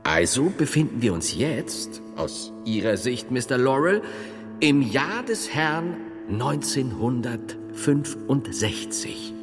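Strict medieval monk, pedantic and logical, slow with big pitch swings, long hall reverb. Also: male voice, big pitch swings, over music. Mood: deliberate. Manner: solemn, precise, pedantic. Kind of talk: theatrical radio drama acting.

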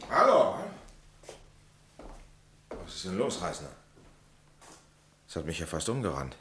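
Inquisitive man in a radio whodunit: low-pitched, emphatic, strongly varied melody. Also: very animated, unhurried, a bit bright, slight background noise, exaggerated voice. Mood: curious. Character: deep-voiced, inquisitive man piecing together a murder case. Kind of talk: German crime radio drama acting.

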